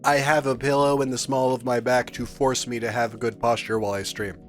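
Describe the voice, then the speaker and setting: A man's voice: medium pitch, flat delivery, brisk, soft background music. A man streaming a story game, chatting playfully and making jokey asides as he reads. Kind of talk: casual game stream, reading story aloud.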